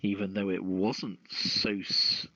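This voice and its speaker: Slow-talking man, low voice over phone-like audio. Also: little pitch movement, bright, forceful tone, no room sound. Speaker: co-host of an online radio show. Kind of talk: casual radio show chat. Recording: phone-like two-way app audio.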